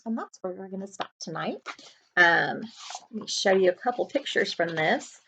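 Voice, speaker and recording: A woman librarian reading a chapter book aloud to children in an expressive storytelling style. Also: medium pitch, normal speed, creaky, slight background noise. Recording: slightly dull lo-fi home recording.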